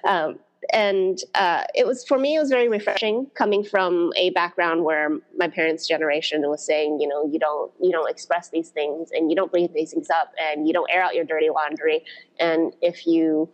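A woman's voice: low voice, steady tone, normal speed, lo-fi sound. A woman guest on a podcast interview, talking in a reflective, storytelling way about her background. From United States. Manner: reflective, storytelling, frequent "you know". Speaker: podcast guest, blues dance organizer. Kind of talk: conversational interview.

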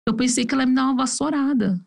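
A woman's voice: high voice, vocal fry. A woman from Brazil, a podcast guest telling her personal story candidly and acting out what her family said. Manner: fast, candid, acts out quoted family voices. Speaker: interview guest.

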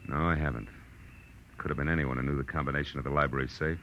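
Fast-talking hard-boiled American private eye. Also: male voice, very deep voice, fairly even intonation, a little hiss or hum. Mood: sardonic, pressing. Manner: clipped, sardonic, wisecracking. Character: hard-boiled, wry, tough male private detective. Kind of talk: 1940s radio detective drama acting and first-person narration. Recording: dull old radio recording, music behind.

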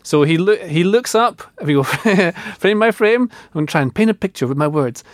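A man talking football as a pundit and former striker, animated and playful as he breaks down a goal. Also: high-pitched, moderate pace, no room sound, studio quality. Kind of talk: football podcast chat.

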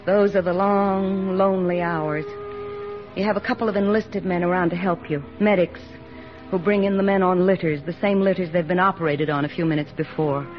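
An actress playing a steady, plain-spoken army nurse lieutenant who narrates and soothes wounded men in a 1940s radio drama. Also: female voice, lowish voice, normal speed, natural voice. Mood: somber. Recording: dull old radio broadcast with music.

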